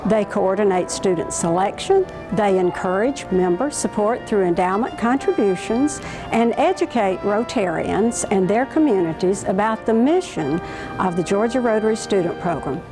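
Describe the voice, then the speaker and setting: A woman giving scripted narration for a promotional video in an even, informative way. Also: mid-range voice, normal speed, poor audio. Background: music.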